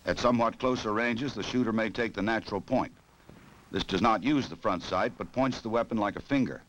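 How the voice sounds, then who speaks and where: An American man reading scripted 1960s training film narration in a formal, measured, authoritative way. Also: lowish voice, fairly bright tone. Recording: noisy old film soundtrack.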